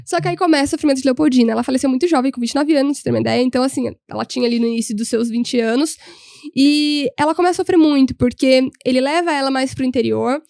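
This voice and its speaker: A young woman, a podcast guest telling history stories in an animated, humorous way. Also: high-pitched, very fast, gravelly, no room sound, studio quality. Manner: animated, humorous, voices quoted people. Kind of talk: casual storytelling chat.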